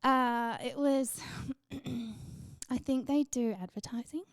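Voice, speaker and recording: A woman's voice: sits high, fairly even intonation, slow pace, dry recording, studio quality. A woman co-hosting a podcast, telling anecdotes in casual chat and laughing often. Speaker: podcast co-host.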